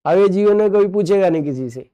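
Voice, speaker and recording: A man teaching an online exam-prep lesson, playful and joking with students' comments, drilling terms by repeating them and asking quick questions. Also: high-pitched, animated, mellow, clear, resonant tone, lo-fi sound.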